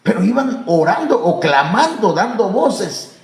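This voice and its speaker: A man with a Mexican Spanish accent preaching a sermon as pastor, pausing on fillers and rising to emphatic high calls. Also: big pitch swings, a little mellow. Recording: echoey church room.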